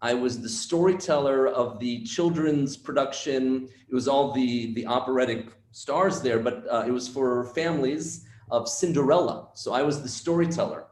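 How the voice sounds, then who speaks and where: A man with a Brooklyn Jewish accent, speaking as an interview guest in a reflective, measured, self-deprecating way. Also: medium pitch, darkish tone, a little hiss or hum. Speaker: actor and guest. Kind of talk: conversational interview. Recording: roomy echo.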